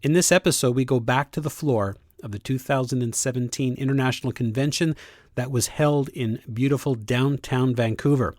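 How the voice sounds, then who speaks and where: A man's voice: medium pitch, normal speed, no echo, studio quality. A man hosting a podcast, opening with an upbeat scripted introduction. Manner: upbeat, enthusiastic. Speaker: podcast host.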